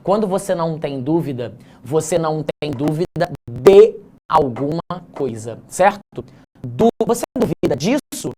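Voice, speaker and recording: A man's voice: fairly high pitch, animated, measured pace, a little mellow. Chatty male teacher explaining grammar. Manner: chatty, explanatory, addresses students informally; mixes slangy asides with grammar points. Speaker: teacher correcting an exam essay. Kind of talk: casual classroom lesson.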